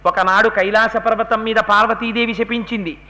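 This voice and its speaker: Man, devotional discourse, animated storytelling, high pitch. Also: normal speed. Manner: storytelling, acting out characters' speech with rising intensity. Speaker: religious discourse speaker.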